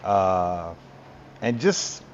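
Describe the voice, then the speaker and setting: A man co-hosting a podcast who talks over serious topics in a halting, reflective way, searching for words. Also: deep voice, expressive, dull audio, a little hiss or hum. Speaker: podcast co-host. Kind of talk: casual political talk.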